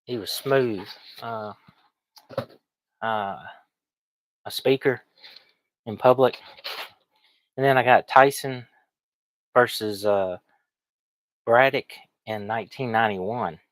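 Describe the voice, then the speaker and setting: A man's voice: mid-range voice, takes it slowly, pauses often, no echo, poor audio. Sniffly folksy man with a cold. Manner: rambling, folksy, chatty. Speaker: online reseller streaming. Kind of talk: casual livestream chat.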